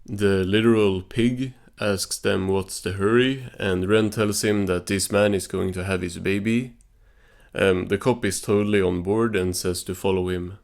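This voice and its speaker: Casting: man with a low voice, offhand and understated, casual cartoon recap narration. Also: fairly even intonation, a little slow, gravelly, darkish tone.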